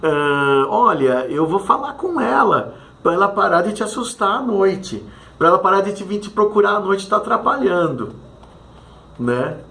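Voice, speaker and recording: A man voicing his mother, a somewhat spiritist woman, briskly promising to sort things out. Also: mid-range voice, sing-song, gravelly, a bit bright, voice pushed up. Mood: reassuring. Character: older mother, half-spiritist, reassuring.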